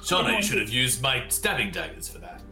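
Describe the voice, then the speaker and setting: A man's voice: mid-range voice, huge pitch swings, fairly quick, sharp tone, soft background music. A man chatting casually as a tabletop game player, recorded in a roomy space. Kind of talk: casual chat. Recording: roomy echo.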